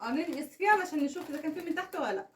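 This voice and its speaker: A woman's voice: high voice, animated, very fast, reverberant, slight background noise. A woman with an Egyptian Arabic accent hosting a family unboxing video, chatting and laughing with viewers. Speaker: family channel host. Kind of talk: casual unboxing chat.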